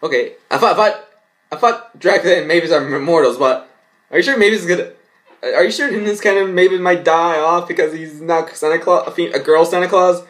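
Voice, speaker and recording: A young man reads a story aloud and comments on it, haltingly, often tripping over his words. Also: on the high side, a bit bright. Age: young adult. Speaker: vlogger. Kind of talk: reading fan fiction aloud with mocking commentary. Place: small bedroom indoors.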